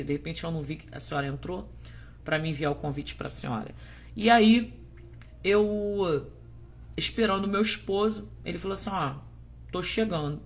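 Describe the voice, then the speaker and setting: A woman's voice: on the low side, a bit bright, slightly rough. A Brazilian woman missionary giving a testimony sermon over a livestream, preaching fervently and speaking straight to her viewers. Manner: fervent preaching, rising to urgent exhortation; talks directly to viewers with frequent "né?" and "gente". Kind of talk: live-streamed testimony sermon. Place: at home, livestream.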